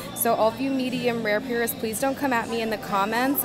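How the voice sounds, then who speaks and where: The sound is dry with no echo, and clear music is heard in the background. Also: woman. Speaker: food vlogger. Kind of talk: casual vlog chat. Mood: excited, cheerful. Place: bar. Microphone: earbuds.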